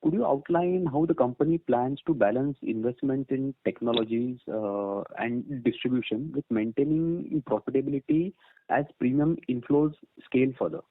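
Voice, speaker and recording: A man's voice: medium pitch, moderate pace. A man, an analyst, politely reading prepared questions on an earnings call. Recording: dry phone-line audio.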